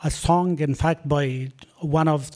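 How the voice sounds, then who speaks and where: A man whose first language is Persian, giving a short, halting speech with many pauses and fillers before he performs. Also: fairly high pitch, fairly even intonation, darkish tone. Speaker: guest musician and poet. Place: award ceremony hall.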